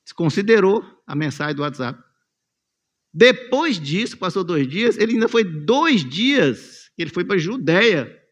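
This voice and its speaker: Brazilian pastor guy preaching in church, kinda high voice, lively storytelling. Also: measured pace. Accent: Brazilian Portuguese. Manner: animated storytelling, addresses listeners by name. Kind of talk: sermon.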